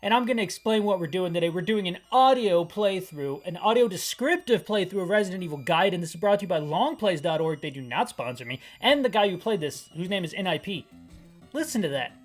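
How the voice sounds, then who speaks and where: A man's voice: high-pitched, lively intonation, fairly quick, soft background music. A man in his thirties talks through a video game in a loose, rambling way, describing what he sees for listeners. His delivery is hyper and self-deprecating, full of restarts and asides. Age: 30s. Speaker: gaming YouTuber. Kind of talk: casual audio-description gameplay commentary.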